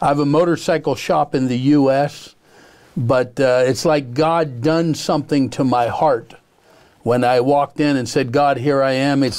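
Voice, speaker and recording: A plain, everyday voice from a man with an American accent, fairly high in pitch, at a moderate pace and with very even loudness. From US, North Dakota. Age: 60s. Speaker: social activist, charity founder. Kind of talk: TV interview. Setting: studio.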